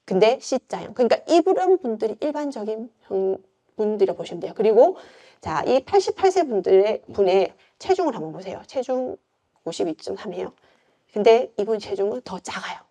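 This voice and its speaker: A middle-aged woman with a Gyeongsang accent speaks in a mid-range, dark-toned, sing-song voice at a moderate pace. She is a yoga instructor giving an informal lecture, chatty and conversational, with plenty of fillers and rhetorical questions.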